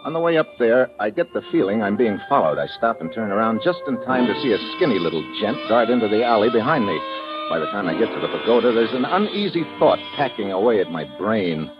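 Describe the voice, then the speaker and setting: An actor playing a tough, wisecracking special agent in a radio drama, with an American accent and a blunt, sardonic way of talking. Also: male voice, fairly low pitch, very animated, fast talker, music in the background. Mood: tense, narrating. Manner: hard-boiled, sardonic, blunt. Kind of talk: 1950s radio drama acting and narration. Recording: muffled old radio recording.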